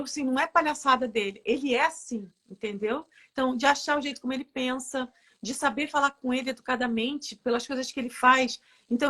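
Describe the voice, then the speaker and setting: A woman, a therapist and guest, telling stories in a casual interview with a lively, laughing manner. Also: high-pitched. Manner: lively storyteller, laughs often. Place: live online interview.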